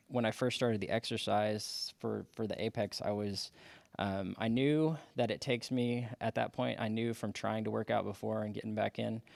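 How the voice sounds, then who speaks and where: Forties male guest, gravelly low voice, halting storyteller, dry close recording. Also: dry recording. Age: 40s. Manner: halting, many restarts and fillers. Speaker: podcast guest. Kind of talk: casual interview chat.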